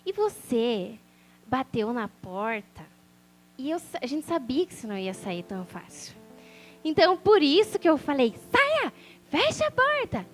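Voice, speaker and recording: Animated woman telling a church story. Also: fairly high pitch, normal speed, faint music behind. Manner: animated storytelling, acts out quoted voices. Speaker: preacher. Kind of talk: personal testimony sermon.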